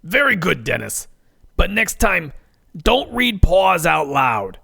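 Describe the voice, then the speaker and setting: A man voicing a bossy, officious woman who trains pizza store staff, with a gravelly voice, in a comedic story. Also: mid-range voice, animated, moderate pace, pushed and bright, dry recording, clean studio sound, pitched above the performer's own voice, exaggerated voice. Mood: smug, instructive. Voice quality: gravelly, creaky. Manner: officious, corporate-script delivery.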